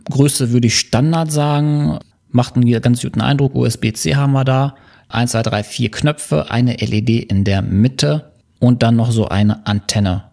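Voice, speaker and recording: A man talks through a product review in a relaxed, explanatory way, often pausing on small fillers. His voice has a gravelly, creaky edge and sits at an ordinary middle pitch. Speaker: channel host reviewing motorcycle intercoms.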